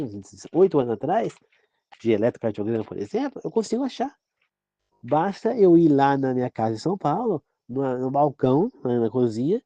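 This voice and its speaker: A man's voice: on the high side, dark tone, no room sound. A man from Brazil giving an informal, rambling sermon-style talk as a preacher, often checking "entendeu?" with his listeners. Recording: dull, dry, lo-fi sound.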